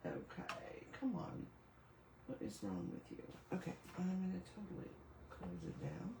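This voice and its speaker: A middle-aged woman with a raspy voice, recovering from a cough, chatting casually through a live paper craft demo and apologizing for her computer trouble. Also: fairly low pitch, wildly swooping pitch, unhurried. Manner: chatty, apologetic, thinking aloud over tech trouble. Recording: echoey room with faint noise.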